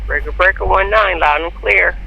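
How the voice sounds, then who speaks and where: A man's voice: high voice, moderate pace, vocal fry, sharp tone, lo-fi sound. A man giving a short radio check reply in noisy field audio. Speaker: walkie-talkie user replying.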